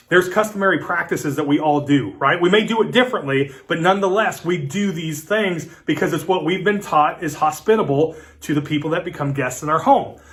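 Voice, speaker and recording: A man in his thirties delivers a midweek devotional sermon in a slightly high-pitched voice. He preaches in a relaxed, folksy way, leaning on casual fillers and acting out bits of everyday dialogue as he tells his story. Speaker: pastor.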